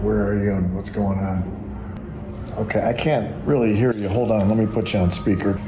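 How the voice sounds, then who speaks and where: Over noticeable background noise, a man with a fairly low pitch talks at a moderate pace with ordinary pitch variation. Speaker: recovery mentor, former alcoholic. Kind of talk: supportive phone call.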